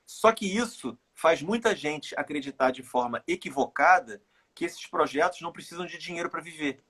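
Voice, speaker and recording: Husky-voiced Carioca man, reflective. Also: on the high side, lively intonation, fairly bright tone. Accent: Carioca Brazilian Portuguese. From Rio de Janeiro, Brazil. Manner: reflective, halting, repeats words while thinking. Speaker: guest, runner and author. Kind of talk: casual live interview chat.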